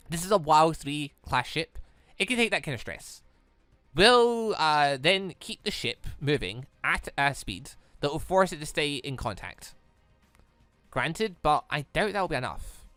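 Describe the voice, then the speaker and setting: A man hosting a let's play, reading visual novel dialogue aloud in an animated way and reacting excitedly as he goes. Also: on the high side, measured pace, dry recording, soft background music. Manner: animated, stumbles while reading and exclaims at the story.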